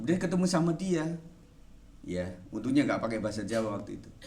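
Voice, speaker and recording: With a Javanese accent, a man speaks in a dark, mellow tone with lively intonation, and the room echo is audible. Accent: Javanese accent in every language. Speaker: pastor. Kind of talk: sermon.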